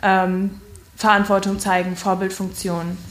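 Over noticeable background noise, a woman speaks at a fairly slow pace in a monotone, flat intonation. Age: 20s. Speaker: student and show jumper. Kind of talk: interview.

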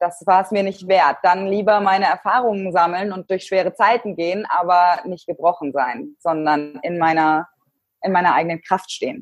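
With music in the background, a woman speaks at a medium pitch and moderate pace, showing ordinary pitch variation and big swings in loudness. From Germany. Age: 30s. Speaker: virtual assistant. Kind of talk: interview.

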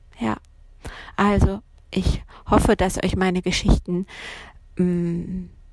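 A woman speaks at a medium pitch. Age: 40s. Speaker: podcaster, former civil servant. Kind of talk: personal monologue. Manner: unscripted, with hesitations.

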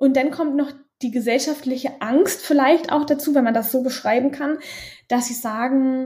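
Her high pitch shows ordinary variation as a woman speaks at a fairly slow pace. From Berlin, Germany. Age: 30s. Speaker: HR manager and mother. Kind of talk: interview. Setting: home office.

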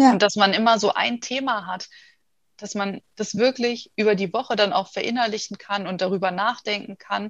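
A woman with a plain, everyday voice speaks at a moderate pace with fairly even intonation against a quiet background. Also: medium pitch for a woman. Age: 30s. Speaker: architect and mother, course participant. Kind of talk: interview, personal testimony.

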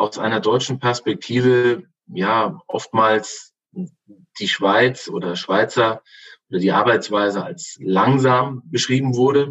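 His pace very slow, a man at medium pitch speaks with lively intonation. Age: 30s. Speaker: retail executive. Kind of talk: interview. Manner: hesitant with frequent fillers.

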